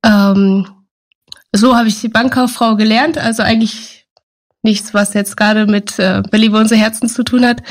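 A woman in her thirties, speaking thoughtfully as an interview guest, often pausing with fillers. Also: a little high, steady tone. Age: 30s. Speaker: guest, team coordinator. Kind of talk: interview conversation.

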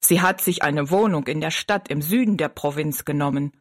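A woman's voice: deep voice, no echo, clean studio sound, voice pushed down. A woman voicing a tall, thin, dignified male circus giant who speaks with courtly politeness. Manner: courtly and slow, bowing politeness.

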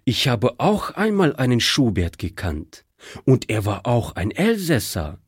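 A man's voice: mid-range voice, huge pitch swings, unhurried, husky, dry recording, clean studio sound, full character voice. A man voicing a young German prisoner of war who speaks politely and thoughtfully. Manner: polite, apologetic.

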